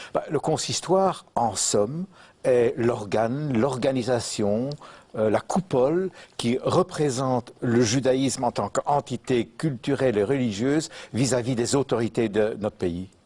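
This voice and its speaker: A man's fairly slow delivery at very even loudness. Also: medium pitch for a man, ordinary pitch variation, dry, close sound with no echo. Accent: Dutch. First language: Dutch (speaking French). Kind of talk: interview. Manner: hesitant, many fillers.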